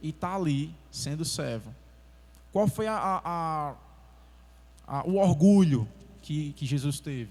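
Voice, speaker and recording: The recording is very clean with a silent background as a man speaks with lively intonation. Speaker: deacon preaching. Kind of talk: sermon.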